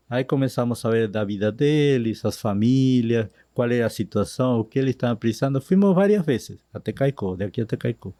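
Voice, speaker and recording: A man with an Argentine accent tells his story in an interview, his Spanish showing through his Portuguese. His voice is mellow and soft-edged, recorded close and dry with no room around it. He speaks slowly, with lively lifts on the lines he quotes. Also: medium pitch, no room sound. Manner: slow, animated retelling with Spanish words slipping in. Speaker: missionary guest.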